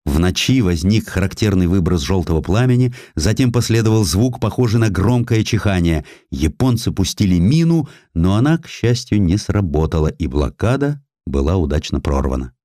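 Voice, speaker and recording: A man narrating a historical audiobook with dramatic, deliberate, theatrical phrasing. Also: deep voice, lively intonation, warm tone, dry recording, clean studio sound.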